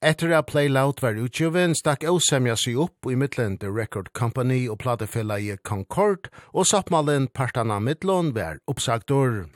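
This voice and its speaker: A male radio host from the Faroe Islands reading scripted linking narration in a measured way. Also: mid-range voice, lively intonation, no room sound, clean studio sound.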